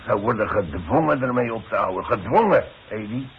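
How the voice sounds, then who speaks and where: Grumbly old workman in an old radio drama, gravelly low voice, halting, muffled noisy sound. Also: animated, heavily acted. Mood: bitter. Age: older. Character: proud, grumbling old demolition worker forced to retire. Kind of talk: 1960s Dutch radio play acting.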